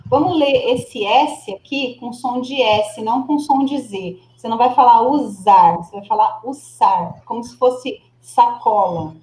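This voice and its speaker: A fairly high-voiced woman teaches over a video call and sounds a little echoey in her room. She is a patient, encouraging Spanish teacher from Brazil. She models words slowly and repeats them for her student. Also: a little mellow. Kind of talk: online class, coaching a student's pronunciation.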